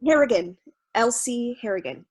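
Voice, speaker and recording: A woman's voice: on the high side, expressive, normal speed. A woman playing a timid, distressed playwright in a comedic staged reading, hesitant and pleading. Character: distressed, timid female playwright, desperate and devoted.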